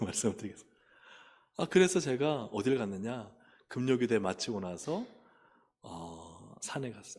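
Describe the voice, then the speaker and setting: A male pastor preaching a sermon, telling a personal story, asking rhetorical questions and getting loud and animated as he retells it. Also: fairly low pitch, breathy edge. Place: church sanctuary. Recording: long church hall reverb.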